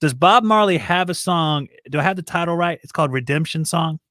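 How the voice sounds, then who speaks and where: A man's voice: on the high side, a little fast, a bit bright, no room sound, studio quality. A man in his forties chatting casually, easygoing and full of questions. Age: 40s. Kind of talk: casual chat.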